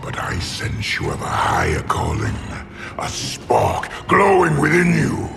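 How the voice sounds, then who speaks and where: Gravelly alien rage warlord. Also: male voice, huge pitch swings, heavily acted. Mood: menacing. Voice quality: deep gravelly growl. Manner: slow, shouted menacing declarations. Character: raging alien male warlord, vengeful. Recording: loud music score behind. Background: loud orchestral score.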